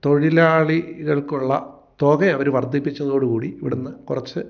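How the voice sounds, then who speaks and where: A man, an agriculture assistant, giving measured, explanatory answers with hesitant fillers in a radio interview. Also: a little high, flat delivery, creaky. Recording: dull lo-fi radio sound.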